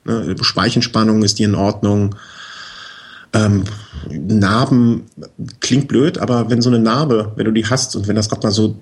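A man's voice: fairly low pitch, measured pace, breathy edge. A man giving practical advice as a guest in a casual chat, explaining step by step and often checking in with short tag questions. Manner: relaxed, explains step by step, frequent "ne?" tags and fillers. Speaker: bicycle expert guest.

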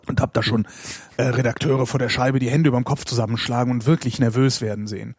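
Male podcast host. Raspy, dry studio sound, informal deadpan chat. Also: medium pitch, fast, dry recording. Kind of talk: casual chat, answering listener questions.

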